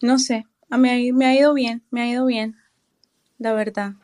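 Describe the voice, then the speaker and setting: A woman who founded a PR company, telling her story as a lively guest in a casual interview with lots of fillers. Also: a little high, normal speed, no echo, clean studio sound. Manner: lively storyteller, acts out quotes, many fillers like "o sea".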